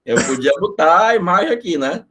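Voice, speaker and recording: A man's voice: high-pitched, brisk. A middle-aged man from Brazil teaching an informal online class, telling casual, profane stories. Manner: animated storytelling, casual and profane.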